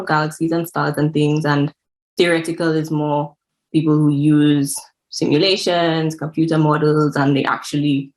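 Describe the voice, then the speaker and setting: A young Saint Lucian woman speaks in a low voice, relaxed and frank as she answers interview questions. She talks things through in an easy, reflective way and keeps saying "like". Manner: frank, reflective, says "like" often. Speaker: guest analytics specialist.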